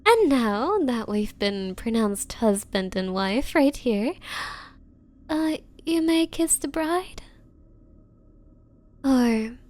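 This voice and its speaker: A woman's voice: a little high, a little mellow. A woman playing an obsessive, sweetly menacing yandere bride in an intimate ASMR roleplay, coy and cooing as she speaks to the listener. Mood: coy, possessive. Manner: coy, cooing, hesitant, falsely considerate.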